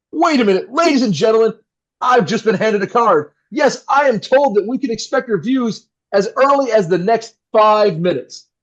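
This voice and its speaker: A man's voice: sits high, highs cut off. A man playing a slick, enthusiastic 1960s radio host who can turn into a crude jerk. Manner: enthusiastic, showy patter. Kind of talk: 1960s radio announcer acting.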